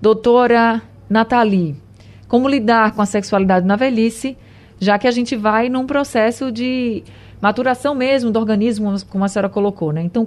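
A woman's voice: a little high, darkish tone. Woman hosting a radio call-in show. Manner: friendly, addresses listeners, measured. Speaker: radio host.

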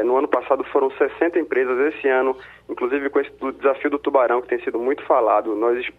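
A man's voice: medium pitch, slightly rough. A Brazilian man who works as a city secretary, explaining things step by step in an interview, heard over a crackly phone line. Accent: Brazilian Portuguese. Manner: explains step by step, often trailing into tag questions. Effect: crackly, tinny phone line. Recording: tinny phone-line audio.

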